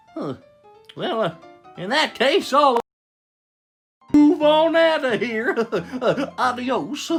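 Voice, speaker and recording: A cartoonish character voice speaks very slowly, with long, frequent pauses. Faint music plays in the background. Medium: puppet show. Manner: hesitant, stammering.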